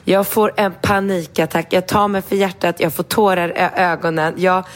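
A woman, co-hosting a casual podcast chat. She tells an animated story, acts out quotes in a high voice and swears casually. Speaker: podcast co-host.

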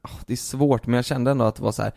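Swedish-speaking guy with a gravelly voice, cursing away, venting in a loose podcast chat. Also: medium pitch. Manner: profane, venting, animated storytelling. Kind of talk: casual chat.

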